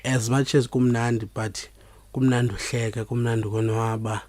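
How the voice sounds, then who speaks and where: A man with a Xhosa South African accent hosts an informal podcast, speaking in a halting, reflective way. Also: medium pitch, flat delivery, darkish tone, dry recording. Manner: halting, reflective delivery with repeated words. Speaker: podcast host. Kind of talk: informal solo podcast talk, mixing two languages.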